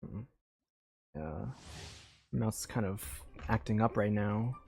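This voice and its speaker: A tired man doing casual live gameplay commentary, thinking aloud in a low-key, meandering way. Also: slow, creaky, a little mellow, slight background noise. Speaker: game streamer.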